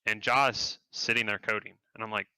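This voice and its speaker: A man, a game developer, telling work stories in a casual interview, animated and jumping up in pitch when he quotes people. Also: normal speed, clean tone, dry recording, low-quality recording. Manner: animated, acts out quotes in a higher voice.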